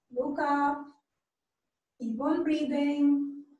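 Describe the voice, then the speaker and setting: Audible room echo surrounds a dark, mellow voice with a soothing, gentle tone. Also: woman. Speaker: yoga instructor. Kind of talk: guided yoga class, calm step-by-step instructions. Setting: video call. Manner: soothing, slow, gentle, encouraging, with short commands and pauses for breath. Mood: calm, soothing guidance. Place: hall. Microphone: camera far.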